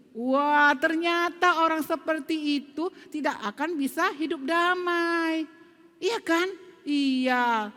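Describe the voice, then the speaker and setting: A woman teaching a children's Sunday school lesson, lively and coaxing, asking the children questions. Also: sits high. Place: church hall. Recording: church live stream with long reverb.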